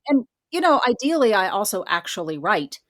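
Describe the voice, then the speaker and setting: A woman's voice: mid-range voice, sing-song, fairly quick, a bit bright. A woman speaking conversationally as a guest author in a podcast interview.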